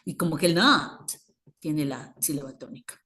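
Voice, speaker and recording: A woman's voice: low voice, moderate pace, fairly bright tone. A woman with a Mexican Spanish accent teaching an English grammar class, explaining patiently and switching between Spanish and English. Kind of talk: bilingual grammar lesson.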